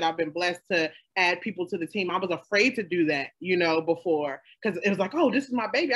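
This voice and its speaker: A woman who makes audio dramas, talking casually and emphatically on a panel, with animated asides. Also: lowish voice.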